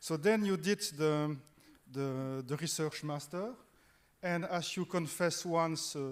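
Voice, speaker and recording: A man with a French accent at a fairly slow pace, on a very clean recording with a silent background. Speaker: thesis supervisor professor. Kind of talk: laudatio speech at PhD ceremony. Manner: halting, many repetitions.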